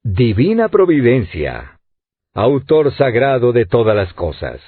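Give me a fervent hardy sailor, read by a man, husky, with a tinny phone-like sound. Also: mid-range voice, wildly swooping pitch, takes it slowly, no room sound, heavily acted. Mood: delighted. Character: hardy middle-aged sailor, ardent and grateful.

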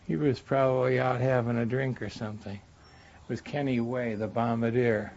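A man's voice: medium pitch, level tone, moderate pace, a little mellow. An American man of sixty-nine, a war veteran sharing unscripted reminiscences in an interview. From United States. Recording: dull documentary tape with background noise.

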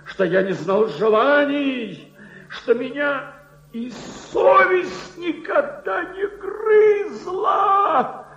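A man's voice: high voice, exaggerated voice. An actor playing an old miserly baron in a radio play, declaiming verse as a tormented man hungry for power and in love with his treasure. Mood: tormented, indignant. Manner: declamatory, from hushed gloating to anguished cries. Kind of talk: theatrical dramatic monologue in verse, Russian radio play. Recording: echoey, dull archival radio recording.

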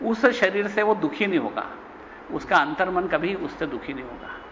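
A man giving a spiritual lecture, telling stories and acting out the quoted speech with sudden pitch jumps. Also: animated, normal speed. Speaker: spiritual teacher. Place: ashram hall. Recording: dull lo-fi recording with long reverb and faint noise.

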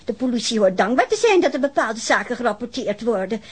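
An actress playing a chatty, nosy, easily indignant woman witness in a radio drama, rambling and insistent, with a husky voice. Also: a little high, very animated, fast.

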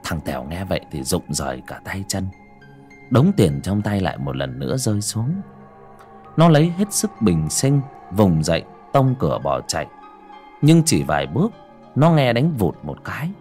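A man narrating a horror story dramatically, dropping to a hushed, slow delivery for suspense. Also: deep voice, big pitch swings, soft background music.

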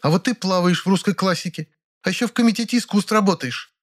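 A temperamental older actress in a storybook reading, her voice pitched up high and sharp, as a male reader puts her on. She scolds and flares up in indignant outbursts, loud and imperious. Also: fast talker. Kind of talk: audiobook character voice.

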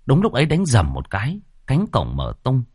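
Expressive male ghost-story narrator. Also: mid-range voice, normal speed, husky, dry recording, studio quality.

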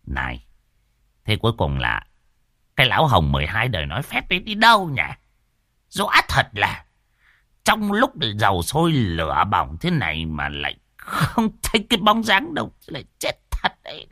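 A gossipy old villager grumbling over tea, as a male storyteller puts him on. The voice swoops from low mutters to high complaints. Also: huge pitch swings, moderate pace, sharp tone, no echo, studio quality, exaggerated voice.

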